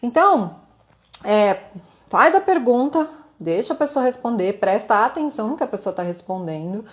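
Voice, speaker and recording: A woman with a Brazilian Portuguese accent teaches in a live-streamed lesson, her voice sitting a little high. She explains things conversationally and often checks in with her listeners through tag questions. Light laughs slip in between her points as she answers viewer comments. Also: expressive, moderate pace. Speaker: communication instructor.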